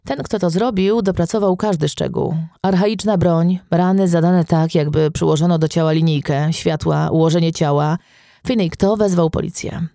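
A man's voice: a little high, steady tone, normal speed, vocal fry, mellow, dry recording, clean studio sound. A man reading an audiobook aloud while voicing a tough, weary female police detective who speaks in terse, clipped lines. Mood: grim.

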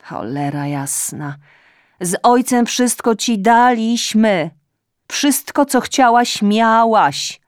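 A woman's voice: sits low, level tone, slow pace, hardly any pauses, a little mellow, dry recording, clean studio sound, pitched below the performer's own voice. A woman voicing an older mother who is hard of hearing, scolding her daughter and repeating herself. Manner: scolding and repetitive.

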